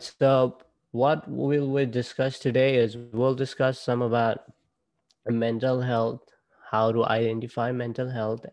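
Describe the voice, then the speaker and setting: A young man from Nepal with a Nepali accent, presenting casually to students on a video call through a laptop mic, halting and restarting often. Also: mid-range voice, a little mellow, muffled recording. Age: young adult. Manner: halting, with frequent fillers and restarts. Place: indoor room at home. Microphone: laptop webcam on a video call.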